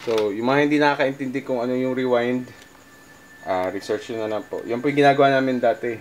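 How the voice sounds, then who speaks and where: A middle-aged Filipino man talks casually to viewers in a halting, conversational vlog style, thinking aloud as he demonstrates. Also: mid-range voice, slight background noise. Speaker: musician vlogger.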